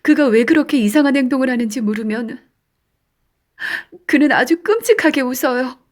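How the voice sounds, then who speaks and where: A woman performs as a distraught wife in an audiobook drama. Her voice is high and full of dread. She speaks haltingly, pleading and anguished, as if confiding a terrible fear. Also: expressive. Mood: fearful.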